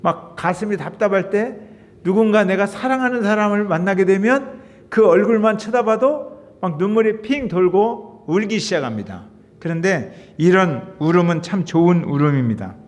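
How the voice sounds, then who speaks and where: A middle-aged male pastor preaching with a high, lively voice that swings up and down as he pleads and explains. He talks to his congregation in an emotive, conversational way. The sound has the long reverb of a church sanctuary. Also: moderate pace. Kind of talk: sermon.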